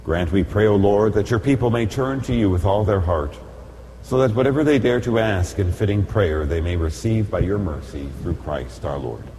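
A man speaking as a priest at Mass, reciting solemn liturgical prayers in a formal, measured way, at times chanting, in an echoing church. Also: lowish voice, dark tone. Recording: echoey church, long reverb, background noise.

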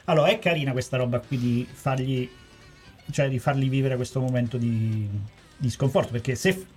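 A man improvising in casual comic chat as a guest, halting as he searches for words. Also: mid-range voice, fairly even intonation, soft background music. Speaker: guest in a comic film quiz.

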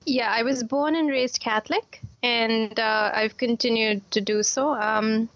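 A woman's voice: a little high, steady tone, unhurried, gravelly, fairly bright tone, no room sound, muffled recording. A woman from Kuwait, an author and doctor, answering interview questions in a chatty way, with fillers and repeated words.

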